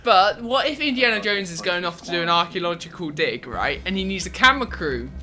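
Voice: medium pitch, animated, brisk, sharp tone, faint music behind. A video game player chatting casually and jokily as a let's play host, teasing a co-host.

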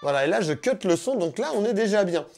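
A man's voice: high-pitched, animated, quick pace. Friendly man teaching guitar live. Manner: friendly, thanks viewers by name, explains while playing. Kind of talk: live-streamed guitar lesson. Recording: faint guitar music behind. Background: electric guitar playing.

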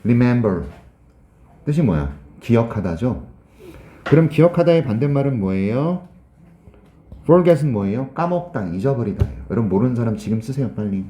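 A man teaching grammar in a lively classroom lecture, joking with and teasing his students as he quizzes them. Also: mid-range voice, normal speed, pauses often, roomy sound, rough recording. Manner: jokey, teasing, quizzes students in casual speech.

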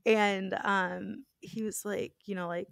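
Raspy young woman, dry close mic. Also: medium pitch, little pitch movement, slow, dry recording. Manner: candid, joking, frank. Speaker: podcast co-host. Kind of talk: casual chat.

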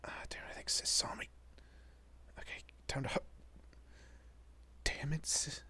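A man playing a protective, easily bewildered young husband and father in an audio roleplay, with a husky, breathy, often whispering voice and halting, muttering delivery. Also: sharp tone. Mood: anxious, hushed. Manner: halting, muttering, mild swearing.

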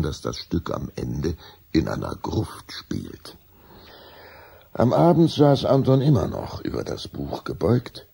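A man narrating a children's radio play in a gravelly voice, as a scripted storyteller. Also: deep voice, darkish tone.

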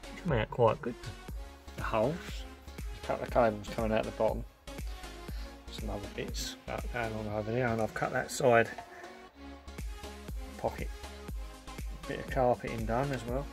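A man's voice: mid-range voice, steady tone, moderate pace, gravelly, pauses often. A man casually talking through a van conversion job while he works in his garage workshop, sometimes drifting away from the camera mic. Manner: chatty, offhand, talks while working. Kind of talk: casual DIY commentary. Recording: background music, voice sometimes off-mic.

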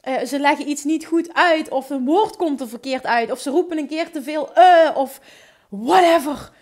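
A young woman hosts a solo podcast in a high, bright register. She speaks with a Limburg accent and an upbeat, high-energy delivery. She often trips over her words and restarts. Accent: Limburg Dutch. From Limburg, Netherlands. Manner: energetic, enthusiastic, talks fast with many restarts. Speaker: podcast host.

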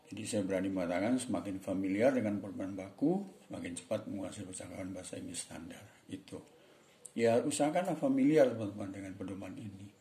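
A man gives a relaxed English lesson, talking straight to his viewers as friends. His voice sits on the low side and rings in an echoey room. He chats along casually rather than reading a script. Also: fast talker. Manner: chatty, repeats "teman-teman", mimics voices for examples. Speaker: English tutor.

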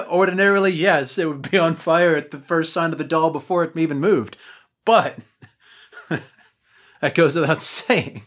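A man's voice: on the high side, normal speed, a bit bright. A man playing a tabletop game, riffing jokes with old-fashioned slang words. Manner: playful, riffs in old-timey slang. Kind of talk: riffing banter at a recording session.

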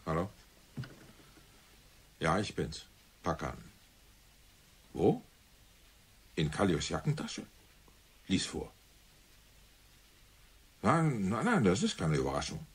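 A seasoned police commissioner in a radio drama. His voice is very low and husky. He questions with businesslike, measured authority, yet stays considerate. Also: wildly swooping pitch, exaggerated voice. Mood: matter-of-fact. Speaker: actor playing a police commissioner. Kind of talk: German radio play acting.

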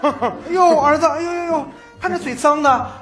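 A man's voice: very high-pitched, steady tone, normal speed, fairly bright tone, faint music behind. A man performing a stage comedy sketch as a young father, coaxing and cooing baby talk.

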